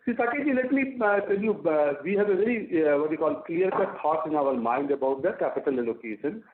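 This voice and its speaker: High-pitched Indian man on an echoey phone line. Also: expressive, a little fast. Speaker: company executive on an earnings call. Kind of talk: explanatory business talk on an investor call. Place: conference phone call. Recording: tinny phone line with room echo.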